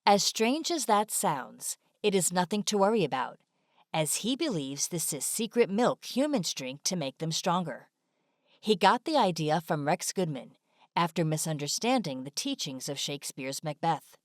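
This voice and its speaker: Casting: female explainer narrator, slightly deep, scripted informational read, dry studio voice-over. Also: sing-song, normal speed, no room sound.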